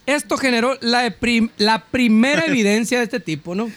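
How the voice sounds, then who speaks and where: A man's voice: very high-pitched, moderate pace, a bit bright, no room sound. A man with a Mexican Spanish accent telling stories in crude, slangy casual banter as a podcast co-host. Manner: crude slangy storytelling, frequent laughter.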